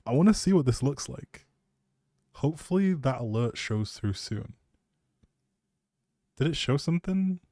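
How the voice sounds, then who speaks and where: A man's voice: medium pitch, lively intonation, a little slow, long pauses, mellow, no echo, studio quality. A young man rambling casually on a game livestream, playful and jokey as he chats back to viewers. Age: young adult. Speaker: live streamer and audio creator.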